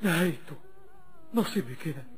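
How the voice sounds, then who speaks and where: Actor as Egyptian cafe storyteller, a talking banknote. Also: male voice, a little high, animated, brisk, close to an everyday voice. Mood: wry, resigned. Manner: Arabic cafe storyteller, florid greetings to listeners. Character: talking banknote, genial long-suffering male storyteller. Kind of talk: radio drama narration.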